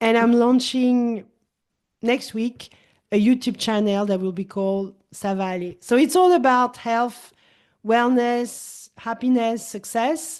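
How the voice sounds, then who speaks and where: A woman with a French accent speaks at a fairly high pitch with ordinary pitch variation. The background is quiet. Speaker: leadership and holistic coach, podcast host. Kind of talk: casual interview conversation.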